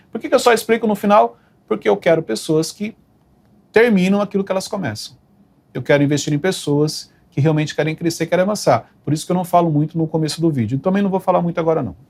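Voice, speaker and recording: A man's voice: fairly high pitch, a little mellow. A man giving a leadership lesson straight to the viewer, emphatic and full of rhetorical questions. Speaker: leadership coach. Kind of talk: direct-to-camera leadership talk.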